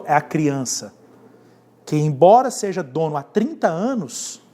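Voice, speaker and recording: A pastor gives a classroom lecture on leadership. His delivery is lively, and he keeps coming back to the same key words. He questions the class as he goes. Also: fairly high pitch.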